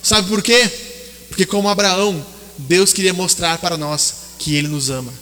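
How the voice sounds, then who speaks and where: A man preaching a sermon, telling stories dramatically and dropping low and soft for quoted voices. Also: normal speed. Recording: long reverb hall.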